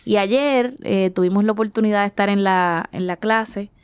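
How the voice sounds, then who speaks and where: A woman's voice: mid-range voice, normal speed, smooth, no room sound. A woman in her forties from the Dominican Republic, answering interview questions reflectively and searching for her words. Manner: thoughtful, searching for words, frequent restarts. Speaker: artist guest.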